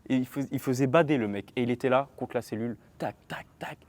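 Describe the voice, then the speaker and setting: Fast-talking young man telling a story. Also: mid-range voice. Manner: animated, talks straight to viewers. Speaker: vlogger. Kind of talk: casual storytime.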